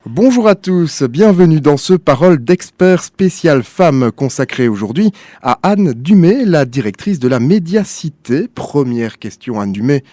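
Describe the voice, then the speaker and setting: A man's voice: a little high, big pitch swings, unhurried, warm tone, dry recording, soft background music. A man hosting a radio interview, reading neat scripted questions and introductions. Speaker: radio host.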